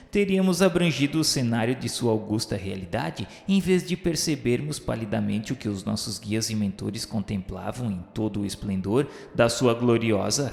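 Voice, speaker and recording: A man's voice: medium pitch, gravelly. A Brazilian man reading scripted dramatic narration for a radio novel in a solemn, formal literary manner. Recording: echoey reverberant hall sound, faint music.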